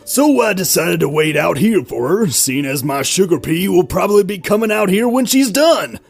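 A man voicing a goofy, doting middle-aged dad who is cheerful, bumbling and excitable. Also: sits high, moderate pace, gravelly, breathy edge, faint music behind, exaggerated voice. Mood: nosy. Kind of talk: voiced animated roleplay.

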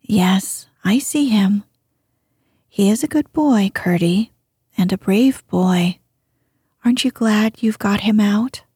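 A woman voicing a gentle, wise old grandmother who speaks softly and kindly. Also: medium pitch, slow, long pauses, husky, dry recording, clean studio sound. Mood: tender. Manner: soft, sweet and kindly.

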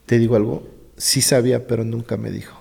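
A middle-aged gravedigger with a Mexican accent tells ghost stories as a guest in conversation, speaking a little fast in a gravelly, breathy voice. He's a vivid, lively storyteller who often sinks into hushed, low tones, and the recording has a roomy reverb.

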